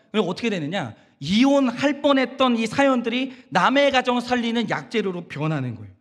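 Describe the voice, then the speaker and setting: A man preaching a Sunday sermon as pastor, emphatic and direct, asking the congregation rhetorical questions. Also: sits high. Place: church sanctuary.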